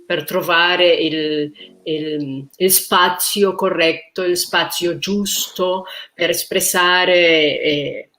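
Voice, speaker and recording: A woman from Argentina, a native Spanish speaker, answers on a panel in halting Italian with an Argentine Spanish accent, searching for words. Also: fairly low pitch, steady tone, fairly bright tone. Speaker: guest musician at a panel on choral singing.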